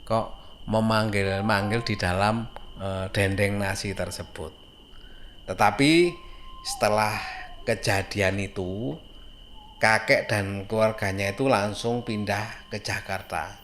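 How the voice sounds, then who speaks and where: A man narrates a horror story informally, in a halting way with dramatic pauses and rhetorical questions. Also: fairly low pitch, steady tone, a bit bright, a little hiss or hum.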